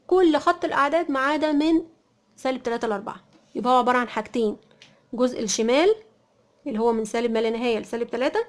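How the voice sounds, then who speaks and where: Fast-talking Egyptian woman teaching math. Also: on the high side. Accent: Egyptian Arabic. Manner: quick, repeats key points, asks and answers herself. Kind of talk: whiteboard math lesson.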